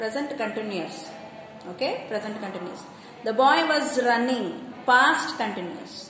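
In a Telugu accent, the speaker goes at a fairly slow pace with audible room echo and light background noise. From India, Telugu-speaking region. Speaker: school teacher. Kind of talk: lecture. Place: classroom. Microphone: phone near.

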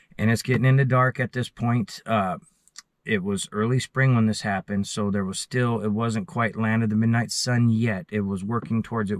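Over a quiet background with dry sound and no echo, a man with a normal speaking voice talks fairly quickly at a fairly low pitch, his intonation fairly even. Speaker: storyteller vlogger. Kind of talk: casual vlog storytelling. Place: car. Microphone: phone near.

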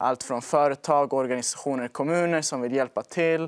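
Against a quiet background, a man with a fairly high pitch speaks with fairly even intonation. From Sweden, Västerås; Sweden. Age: 20s. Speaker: public speaker; interview guest. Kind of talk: interview. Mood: earnest, engaged. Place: studio. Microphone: lapel.

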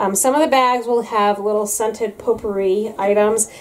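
A woman speaks with ordinary pitch variation against light background noise. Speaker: family vlogger. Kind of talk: casual vlog chat. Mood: grateful and warm. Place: home room. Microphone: camera far.

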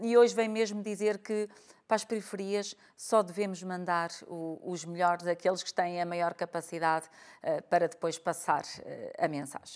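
An unremarkable speaking voice against a quiet background, with fairly even intonation at a moderate pace. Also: woman, medium pitch for a woman. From Portugal. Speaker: TV presenter. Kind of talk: TV talk show interview. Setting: studio. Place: studio. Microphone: lapel.

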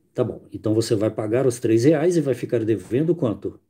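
The voice is somewhat breathy with a dark, mellow tone and lively intonation. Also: man. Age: 40s. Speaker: math teacher. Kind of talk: live-stream math lesson and chat. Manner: casual, frequent fillers.

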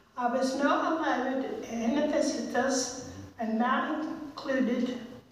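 Over light background noise and strong room echo, a woman talks with ordinary pitch variation. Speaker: church member giving testimony. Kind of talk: testimony. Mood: grateful, earnest. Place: church.

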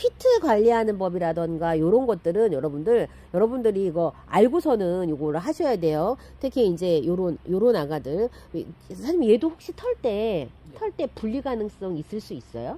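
A woman's animated voice makes very wide pitch swings and big swings in loudness, with a dry sound and no echo. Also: moderate pace. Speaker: succulent plant channel host; succulent grower vlogger visiting a farm. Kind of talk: casual chat. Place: farm machine. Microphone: phone near.

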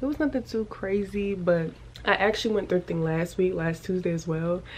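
A woman speaks at a moderate pace, her pitch varying in an ordinary way, with light background noise behind her. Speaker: vlogger. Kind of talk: casual vlog chat. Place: home room. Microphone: phone near.

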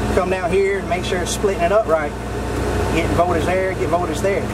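A man's speech competes with loud background noise. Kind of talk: tutorial. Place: open country. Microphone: camera far.

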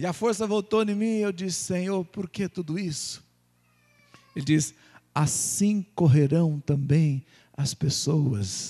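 Over a quiet background, a man speaks at a very slow pace with long, frequent pauses. His voice is high in pitch, dark and mellow in tone. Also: ordinary pitch variation. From Brazil. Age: 50s. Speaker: pastor. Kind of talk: sermon. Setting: church. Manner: animated. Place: church. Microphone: handheld.

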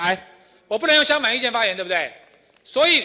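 A man speaks in a raised, projected voice. His tone is animated and his intonation lively. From Taiwan. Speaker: city councillor. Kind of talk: heated debate. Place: hall. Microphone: podium.

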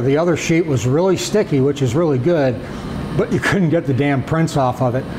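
A man is speaking. Background noise is noticeable. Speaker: maker channel host. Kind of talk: tutorial. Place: workshop.

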